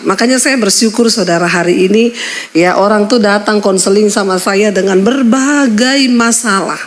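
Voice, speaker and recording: A woman pastor in middle age preaches a church sermon. Her voice sits fairly high and jumps higher still at the big moments of her stories. She talks to the congregation directly and with lively energy. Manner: animated storytelling with sudden high exclamations.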